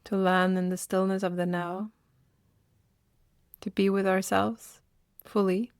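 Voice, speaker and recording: A woman leading a guided meditation in a slow, gentle manner with long pauses. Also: medium pitch, little pitch movement, smooth, no room sound, studio quality.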